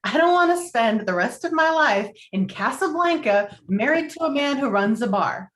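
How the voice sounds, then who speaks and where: A woman's voice: sits high, animated, normal speed. A woman playing a practical, earnest young aspiring journalist, a little defensive, in a script table read. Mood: indignant. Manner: earnest, matter-of-fact, defensive.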